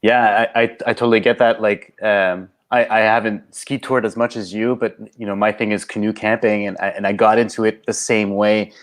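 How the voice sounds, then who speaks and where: Male host, low voice, halting friendly questions. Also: little pitch movement. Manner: friendly, hesitant, many restarts and fillers. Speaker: interview host. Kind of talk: casual interview chat.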